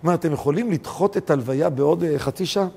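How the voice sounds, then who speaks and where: A man's voice: on the high side, vocal fry, husky. A man, a rabbi telling stories in a sermon, dramatic and voicing the people in his tales. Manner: dramatic storytelling, voicing characters, rising to near-shouts.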